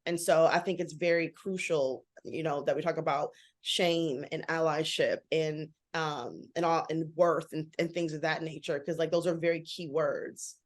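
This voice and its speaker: A woman in her thirties, a guest in a casual interview, talking quickly and animatedly with many "like" fillers. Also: deep voice. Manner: fast, animated, frequent "like" fillers. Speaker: guest, author and model.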